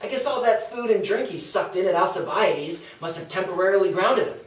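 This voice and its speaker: Here a man plays a scornful, brash skeptic from Athens in a comic table read, leaning into theatrical sarcasm. His voice is high, expressive, and a touch quick, captured from afar in a small, roomy indoor meeting room.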